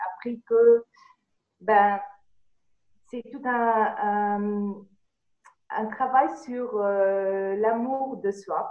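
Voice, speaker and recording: A woman's fairly high voice at a very slow pace, in monotone, flat intonation. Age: 40s. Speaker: banker. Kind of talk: interview.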